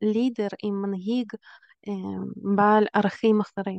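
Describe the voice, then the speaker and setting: A woman at a medium pitch speaks very slowly in a monotone, flat way. The sound is dry and close, with no echo. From Israel. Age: 30s. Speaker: life coach and therapist. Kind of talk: solo podcast monologue.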